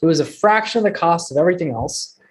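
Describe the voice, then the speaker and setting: A man's voice: a little high, expressive, quick pace, poor audio. A man originally from Bangladesh, speaking as a guest to an online networking group, telling his story with energy and emphatic repetition.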